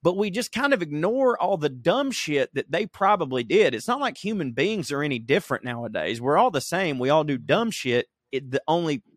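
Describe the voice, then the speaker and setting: A man's voice: a little high, very animated, moderate pace, hardly any pauses, no echo, clean studio sound. A man co-hosting a podcast, chatting casually in a rambling, profane, joking way. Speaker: podcast co-host. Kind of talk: casual comedic chat. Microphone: remote recording.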